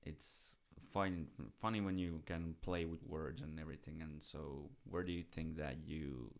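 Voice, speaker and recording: A low-voiced man hosting a podcast, asking his questions slowly and searching for the right words. He fills the gaps with likes and ums, and his deep voice has a creaky, gravelly grain. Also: steady tone. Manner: hesitant, searching for words, many fillers. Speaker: podcast host. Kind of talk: interview questions.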